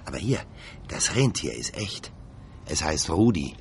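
An actor playing a kindly young man standing in for Santa, gently chatting to his reindeer and a boy. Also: extremely low pitch, sing-song, unhurried, a little hiss or hum, heavily acted. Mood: gentle.

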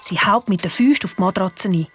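Swiss German woman narrating with breathy voice. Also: medium pitch, a little fast, no echo, faint music behind. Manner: lively, expressive storytelling. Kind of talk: storytelling narration.

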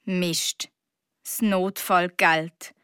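A woman's voice: lowish voice, fairly even intonation, very slow, a bit bright, clear, resonant tone, no room sound, clean studio sound. A woman with a Swiss German accent narrating a children's story in the first person as a young girl, earnest and childlike. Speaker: audiobook narrator.

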